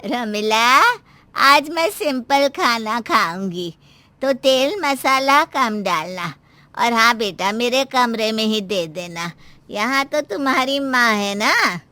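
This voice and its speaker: A woman's voice: fairly high pitch, animated, slow pace, pushed and bright, dry recording, exaggerated voice. Stern mother-in-law. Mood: commanding. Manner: scolding, commanding. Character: stern middle-aged mother-in-law, proud, easily offended. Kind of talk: Hindi cartoon voice acting.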